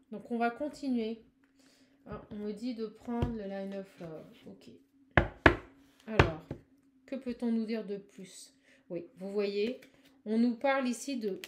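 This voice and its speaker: A fairly high-voiced woman giving a spiritual card reading straight to her viewers. She talks quickly and gushes with exclamations. A faint hiss and the odd click sit under her voice. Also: darkish tone. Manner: effusive, fast, exclamatory, addresses viewer directly. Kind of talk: live tarot-style channeling reading.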